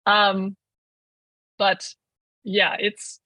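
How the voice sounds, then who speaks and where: A man's voice: high voice, completely flat delivery, very slow, sharp tone, no echo. Chatty young trans guy, dry sound. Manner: rambling, heavy use of "like". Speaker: podcast guest, artist. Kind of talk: casual conversation.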